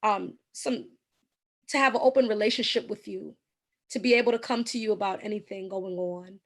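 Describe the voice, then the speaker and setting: A woman with a slightly raspy voice, a guest giving earnest, explanatory advice in an interview with frequent ums. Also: medium pitch, normal speed, a bit bright.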